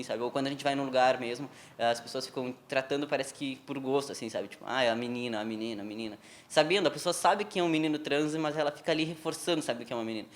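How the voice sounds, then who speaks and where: A man's voice: on the high side, a little hiss or hum. A young man telling a personal story in a TV interview, informal, with frequent tag questions. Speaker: interview guest. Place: television studio.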